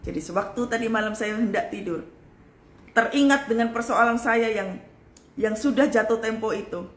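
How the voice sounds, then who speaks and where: A woman's voice: fairly high pitch, normal speed. Earnest woman pastor preaching in echoey room. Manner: earnest and emphatic, swinging between loud exclamations and soft whispers; addresses listeners as "saudara". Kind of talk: live-streamed sermon. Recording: echoey room with faint ambient noise.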